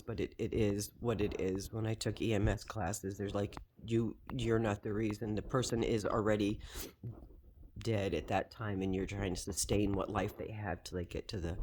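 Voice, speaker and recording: A man giving an unscripted personal explanation in a halting, rambling way. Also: lowish voice, darkish tone, a little hiss or hum.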